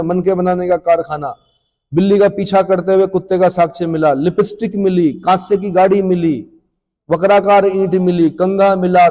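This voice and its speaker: A man teaching an exam coaching class, firing off quiz questions and answering them himself, brisk and scolding. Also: a little high, warm tone, in a large hall. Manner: drills students with questions and answers. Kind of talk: rapid-fire exam coaching lecture.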